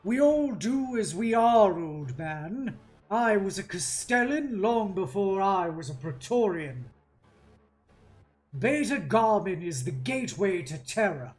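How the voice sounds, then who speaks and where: A woman takes on a resolute male military commander in a dramatic novel reading. The delivery is solemn and declamatory, with slow pacing and wide swings in pitch. Faint music sits behind the voice. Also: expressive, a little mellow. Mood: grim, resolute. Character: Dorn, grave resolute male warrior commander. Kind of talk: dramatic novel read-aloud.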